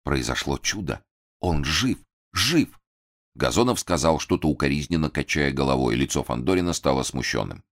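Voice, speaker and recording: Brief: low-voiced male narrator, lively intonation, theatrical audiobook reading. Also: normal speed.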